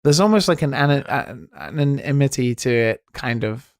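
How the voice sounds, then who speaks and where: A man from Wales with a mostly neutral British accent that has picked up American sounds, co-hosting a podcast in casual chat, soft-spoken and rambling with a lot of "like". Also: medium pitch, lively intonation, normal speed, creaky, dry recording, studio quality. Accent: mostly neutral British with some American pronunciations. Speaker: podcast co-host.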